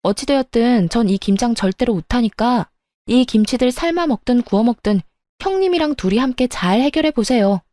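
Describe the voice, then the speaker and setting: A woman's voice: a little high, expressive, brisk, no echo, natural voice. A woman playing a fed-up young wife who talks back sharply to her in-laws, in a story radio drama. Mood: defiant. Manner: sharp, retorting.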